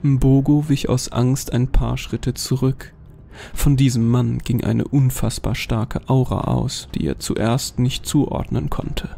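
A man narrating a scripted horror story in a measured, steady way. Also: medium pitch, gravelly. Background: faint music.

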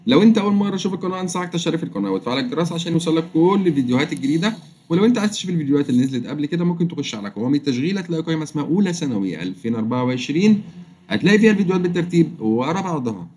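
A man with an Egyptian Arabic accent teaching a French lesson online, drawing the French phrases out slowly before explaining them. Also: fairly high pitch, breathy edge. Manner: fast, lively explaining, drawls French words out slowly.

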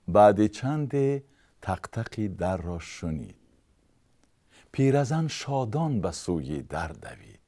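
A man with a Tajik accent and a dark voice that sits on the low side performs a long story poem. He narrates in a rhythmic chant with a sing-song feel.

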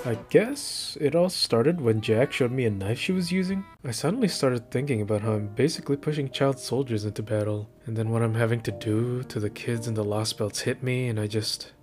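A man's voice: mid-range voice, fairly quick, hardly any pauses, a little mellow, lightly acted. Guy as young anime mage hero, earnest, chatty normal voice, comic dub w faint music. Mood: troubled. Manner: conversational. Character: earnest, easygoing young male mage master. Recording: music behind.

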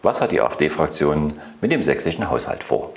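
A man's voice: very deep voice, very animated, moderate pace, music in the background. A man reading scripted topic questions as an announcer. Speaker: off-screen announcer.

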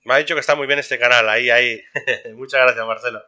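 A man's voice: mid-range voice, steady tone, fast talker, sharp tone. A young man streaming a game live, complaining and swearing about his bad luck, repeating himself and ending lines with "tío". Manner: frustrated, complaining, swears a lot. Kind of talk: live gameplay commentary.

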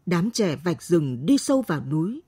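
A woman reading a late-night story aloud in a slow, gentle and expressive way, close to a studio mic. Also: on the low side, slightly rough, no room sound.

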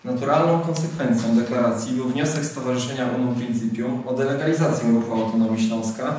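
A young man at a lectern in a large hall, reading a prepared speech in a formal, measured way. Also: medium pitch, darkish tone, a little hiss or hum. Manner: formal, measured delivery from a script. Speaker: speaker at a convention. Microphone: lectern microphone. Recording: very echoey hall, mic at a distance.

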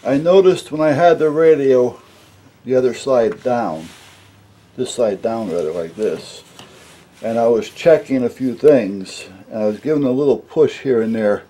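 A man's voice: medium pitch, unhurried, warm tone, breathy edge. A middle-aged man giving a casual, unscripted repair walkthrough at a workbench, rambling and explaining things matter-of-factly. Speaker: hobbyist radio repairer, presenter. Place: indoors at a workbench.

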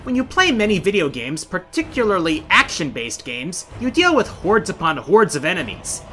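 A man's voice: high voice, big pitch swings, moderate pace, over music. A middle-aged man hosting a countdown in scripted video essay narration, with an emphatic, theatrical delivery. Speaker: video game countdown host.

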